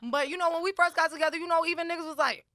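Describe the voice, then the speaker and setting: A woman talks at a quick clip as a guest in a casual, candid conversation. She is blunt and swears freely in heavy slang. The recording is dry, with very little room sound. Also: extremely high pitch, steady tone, sharp tone, no echo. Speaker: podcast guest, rapper and reality TV personality.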